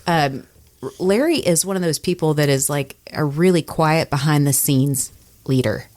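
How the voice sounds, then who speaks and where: A woman's voice: low-pitched, moderate pace, a little mellow. A woman telling work stories in a casual podcast conversation, speaking in a candid, reflective way as a radio personality.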